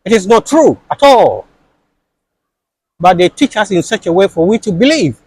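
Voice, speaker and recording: A man's voice: high voice, sing-song, moderate pace, a little mellow, husky, no room sound, low-quality recording. A man being interviewed, speaking in an impassioned, insistent way and repeating his points for emphasis.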